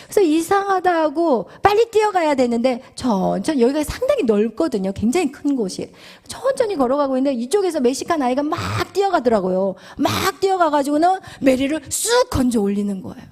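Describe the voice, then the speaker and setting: A woman pastor preaching and teaching through a vivid personal story, sometimes dropping to a hushed whisper for emphasis. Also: high-pitched, sing-song, fairly quick, hardly any pauses.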